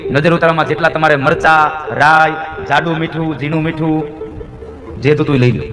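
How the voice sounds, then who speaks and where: A man's voice: a little high, fairly even intonation, a little fast, close to an everyday voice. A male storyteller voicing an eager, talkative young village milkmaid. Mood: pleading. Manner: pleading, chatty storytelling speech.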